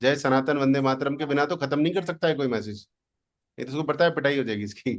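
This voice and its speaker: A man's voice: mid-range voice, fast. A man from India running an online class as a digital marketing coach, teasing and boastful, slipping English words into his Hindi. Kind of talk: live online class demo.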